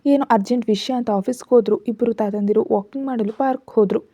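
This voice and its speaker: A woman's voice: on the high side, quick pace, dark tone, no echo, dull audio. A woman voicing a loving, frail older mother-in-law in a storybook reading, with a motherly manner. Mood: tender.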